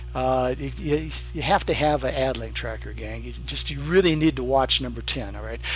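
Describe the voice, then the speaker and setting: A man's voice with music in the background. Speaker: online marketing trainer. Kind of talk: tutorial. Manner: fast; animated.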